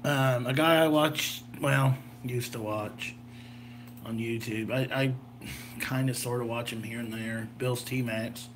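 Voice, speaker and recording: A man's voice: mid-range voice, fairly even intonation, takes it slowly, background noise. A slightly tired American man rambling casually through a homemade vlog in a folksy, jokey way. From southern Illinois, United States. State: a little tired. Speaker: gadget video host.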